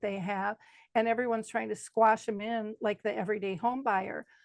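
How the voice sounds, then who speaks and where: Against a quiet background, a woman speaks at a fairly quick pace in a fairly high, flat monotone, the sound dry and close with no echo. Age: 60s. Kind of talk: interview.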